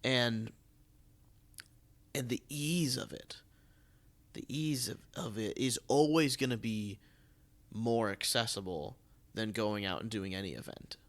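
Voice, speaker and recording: An American man hosting a casual podcast conversation, musing in a halting way as he thinks aloud. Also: lowish voice. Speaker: podcast host and theatre artistic director.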